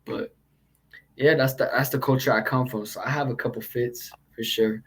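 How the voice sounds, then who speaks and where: A man's voice: mid-range voice, fairly even intonation, moderate pace, a bit bright, slightly rough. A young man hosting a podcast in casual chat, joking and swearing often. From Chicano background. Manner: profane, joking, laughs often. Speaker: podcast host.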